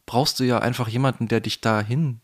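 A man from the Palatinate region of Germany with a faint Palatinate German accent, a voice actor speaking thoughtfully in a relaxed interview, pausing often with fillers. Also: mid-range voice. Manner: thoughtful, hesitant, many fillers. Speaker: guest, voice actor. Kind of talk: casual conversational interview.

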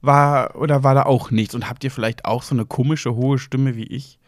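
A man in his thirties co-hosting a casual podcast, with a fairly high, light voice and a playful, self-mocking manner. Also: steady tone, moderate pace, no echo, clean studio sound. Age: 30s. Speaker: podcast co-host.

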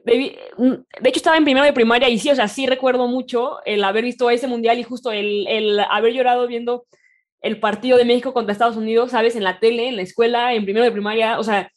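A woman's voice: fairly high pitch, steady tone, fast. A woman, chatting casually and leaning on "o sea" between her thoughts. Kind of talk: casual chat.

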